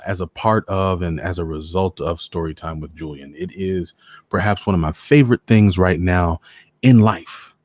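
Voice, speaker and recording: Low-voiced American man hosting a livestream. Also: a little mellow, dry recording. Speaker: host of a live online story-reading show. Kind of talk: casual livestream chat to viewers.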